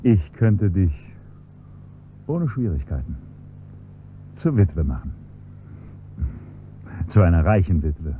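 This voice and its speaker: An actor playing a scheming chauffeur who slides from servile politeness into cold, mocking blackmail, on a dull, faintly hissy radio-play recording. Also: male voice, sits low, big pitch swings, takes it slowly, pauses often, exaggerated voice. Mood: menacing. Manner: polite and servile, then coolly mocking and menacing. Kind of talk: 1970s-style German radio play acting.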